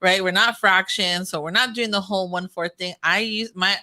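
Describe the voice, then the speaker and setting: A woman hosting a relaxed podcast chat, her voice bright and ringing. She talks candidly and animatedly, with the odd curse slipped in, like she is catching up with a friend. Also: medium pitch, fairly quick. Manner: candid, animated, swears casually. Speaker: podcast host. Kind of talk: casual conversational interview.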